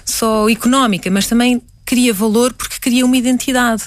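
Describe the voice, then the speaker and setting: A woman's voice: fairly high pitch, steady tone, normal speed, dry recording. A woman from Portugal with a European Portuguese accent, a painter answering interview questions reflectively, often restarting her words.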